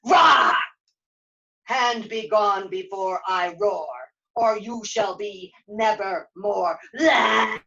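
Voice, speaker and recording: A woman's voice: mid-range voice, extremely slow, sharp tone, shouting, full character voice. A woman voicing a loyal, shy creature with broken grammar and growls, in a puppet-show story. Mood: fierce roaring. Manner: simple broken speech, roaring growls. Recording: dull lo-fi sound.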